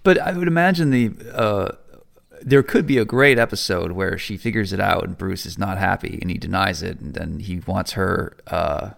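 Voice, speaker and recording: A man co-hosting a podcast in casual chat, animated and quick to laugh. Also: sits low, creaky. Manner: animated, quotes people in put-on voices, laughs easily. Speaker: podcast co-host.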